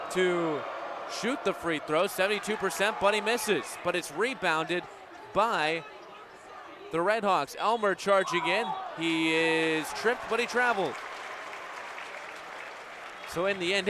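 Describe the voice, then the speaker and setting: A young American man in his twenties calling a game live as a radio play-by-play broadcaster. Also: high voice. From United States. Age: 20s. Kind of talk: live sports radio commentary. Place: at live sports venues. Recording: crowd and gym noise behind. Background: crowd, ambient game noise.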